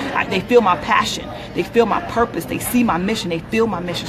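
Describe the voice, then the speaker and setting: Against background music, a woman in a New York accent talks very fast in a fairly high, animated voice with ordinary pitch variation. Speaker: online business coach. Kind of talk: motivational live stream coaching. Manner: animated, repetitive.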